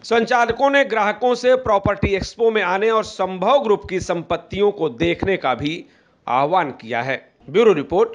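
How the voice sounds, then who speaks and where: A man with a high voice reads a news report. He speaks in a formal, measured way. The voice-over is clean and close. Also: highs cut off. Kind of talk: scripted news narration.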